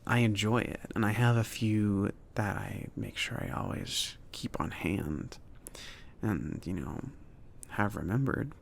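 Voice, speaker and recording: Soft, slow, creaky-voiced man playing a friendly mage. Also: lowish voice, a little hiss or hum. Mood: casual, modest. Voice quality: soft, breathy, often near-whispered. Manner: hesitant, halting, casual. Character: friendly, awkward mage shopkeeper explaining alchemy. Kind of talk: ASMR roleplay.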